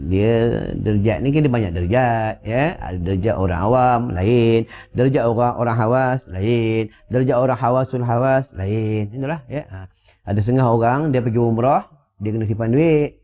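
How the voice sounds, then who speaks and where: A man's voice: medium pitch, normal speed, warm tone. A man giving a sermon with humorous asides, often asking if listeners understand, recorded indoors at home on a wireless lapel mic. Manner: rhetorical, keeps checking listeners follow. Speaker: religious teacher. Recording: dull lo-fi sound.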